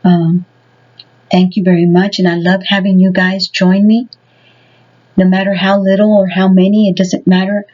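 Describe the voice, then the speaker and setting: A woman's voice: mid-range voice, little pitch movement, moderate pace, mellow, muffled recording. A woman giving a casual tarot reading to her viewers. She talks in a rambling way and fills her sentences with many "you know"s. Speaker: tarot reader.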